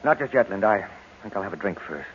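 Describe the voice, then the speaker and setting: An actor playing a brisk, reassuring but uneasy young husband in an old-time radio drama. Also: male voice, fairly low pitch, expressive, close to an everyday voice. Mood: awkward. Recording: muffled, noisy old radio recording.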